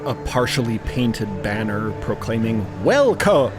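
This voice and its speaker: A man reading scripted dramatic narration in a measured, descriptive storytelling manner. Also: fairly low pitch, big pitch swings. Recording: loud music under the voice. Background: loud music bed.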